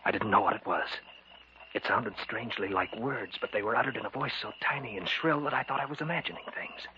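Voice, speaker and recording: An actor narrating and playing the lead in a 1940s radio drama, telling the story plainly. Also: male voice, lowish voice, fast, lo-fi sound, background noise, close to an everyday voice. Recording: old radio broadcast with music.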